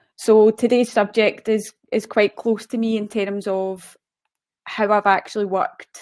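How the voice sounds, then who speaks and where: A woman speaks in a Scottish accent at a very slow pace. Her intonation is monotone and flat. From Scotland. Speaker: engineering software consultant. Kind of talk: webinar presentation. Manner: hesitant, many fillers.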